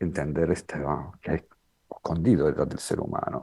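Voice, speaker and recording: A man's very deep, low voice with a dark, mellow tone, fairly even intonation and a fairly slow pace. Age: 60s. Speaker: psychologist and regression therapist. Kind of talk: conference talk. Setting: symposium presentation. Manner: hesitant, many fillers.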